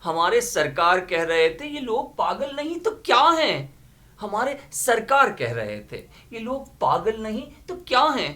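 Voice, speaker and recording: A man's voice: high voice, sing-song, sharp tone. A man giving a theatrical, impassioned and declamatory reading of poetry, repeating phrases with emphasis. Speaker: dramatic poetry reader. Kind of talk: theatrical dramatic recitation of Urdu poetry.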